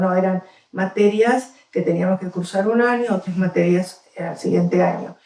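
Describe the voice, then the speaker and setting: A woman talks at a moderate pace in a medium pitch. Noticeable background noise runs underneath. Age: 70s. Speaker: retired literature professor. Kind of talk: interview testimony. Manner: hesitant with frequent fillers.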